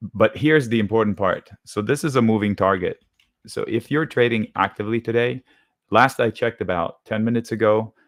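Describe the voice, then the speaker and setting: A man who sounds a bit under the weather, giving a brisk step-by-step walkthrough of his options trades as a guest on a live market show over a video call. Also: on the low side, no room sound, studio quality. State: deep voice from a cold.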